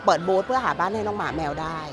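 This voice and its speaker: Middle-aged woman, event organizer, quick pace, matter-of-fact, restarts, press mics, music behind. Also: medium pitch, animated. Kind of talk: interview answers. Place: indoor event hall. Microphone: several handheld press mics.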